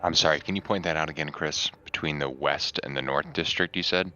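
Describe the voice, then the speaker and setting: A man's voice: very deep voice, brisk, sharp tone, highs cut off. A man chatting casually as a player in a tabletop roleplaying game.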